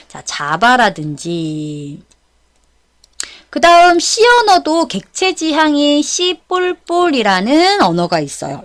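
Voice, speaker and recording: A woman's voice: mid-range voice, a bit bright. A woman giving an explanatory lecture as an instructor, step by step and in a polite register. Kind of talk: explanatory exam-prep lecture.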